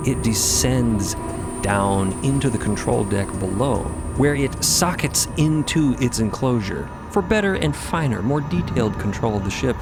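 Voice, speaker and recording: A man's voice: mid-range voice, lively intonation, a little slow. Theatrical male narrator with music underneath. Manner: theatrical, emphatic. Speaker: narrator of a fiction podcast. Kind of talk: dramatic storytelling narration with casual asides.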